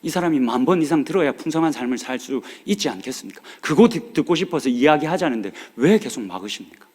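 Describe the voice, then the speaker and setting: A man's voice: medium pitch, animated, fast, darkish tone. A man in his forties, a pastor preaching a sermon, urging and pleading with his congregation in a regional dialect. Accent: Korean regional dialect. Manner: earnest, pleading exhortation with rising urgency. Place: church sanctuary. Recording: long hall reverb of a church.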